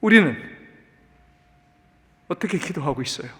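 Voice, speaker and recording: A male pastor preaching a sermon in an animated way, dropping English words into his talk. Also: a little high, measured pace, big-room sound. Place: church sanctuary.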